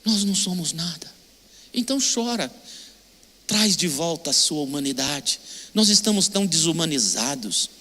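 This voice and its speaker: Older male pastor, Brazilian accent, high bright voice, long hall reverb, emphatic sermon. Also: animated, normal speed. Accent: Brazilian Portuguese. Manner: emotional, emphatic, repeats short phrases.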